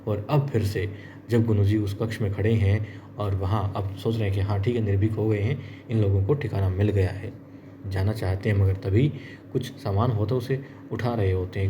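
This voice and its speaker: A man's voice: lowish voice, fairly even intonation, moderate pace, muffled recording, noisy background. A man casually retelling a TV serial episode, chatty, speaking to viewers as friends and acting out the characters' lines. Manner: chatty, addresses viewers as friends, acts out quotes. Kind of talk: casual storytelling recap.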